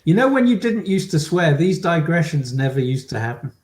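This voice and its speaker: A man's voice: a little high, sing-song, a little fast, darkish tone. A man trading casual comic banter as an improv comedian on an online call. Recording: roomy, echoing online call.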